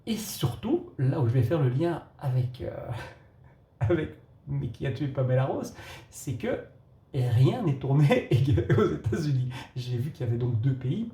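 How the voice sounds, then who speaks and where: A man giving a casual spoken film review for his channel, halting with many restarts and little chuckles. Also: mid-range voice, animated, dark tone. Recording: echoey room.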